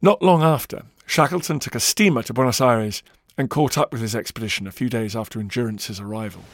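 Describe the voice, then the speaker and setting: A man narrating a historical documentary in a measured storytelling way that slows for emphasis. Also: medium pitch.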